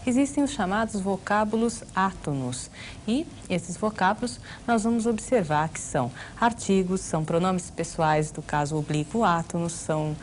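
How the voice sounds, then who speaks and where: Low-voiced Brazilian woman teaching grammar. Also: darkish tone, a little hiss or hum. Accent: Brazilian Portuguese. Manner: didactic, explaining with rhetorical questions. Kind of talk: video lesson for exam prep.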